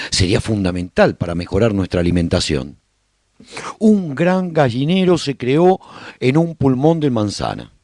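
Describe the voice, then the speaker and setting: Deep, lively-voiced Spanish male narrator. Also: dry recording, clean studio sound. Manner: measured storytelling, speaks as a survivor addressing listeners. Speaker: narrator of a radio serial. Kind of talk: scripted first-person radio drama narration.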